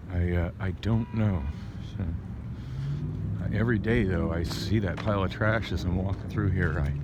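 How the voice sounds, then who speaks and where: Loud wind batters the microphone as a man with a fairly low voice talks outdoors. He is vlogging on foot in a casual, rambling monologue. He drifts into side stories and circles back to his thread. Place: outdoors on a street, walking.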